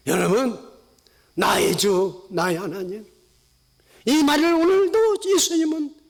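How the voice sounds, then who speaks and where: A middle-aged male pastor preaching an impassioned sermon, swinging from hushed tones to shouts. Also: very high voice, vocal fry.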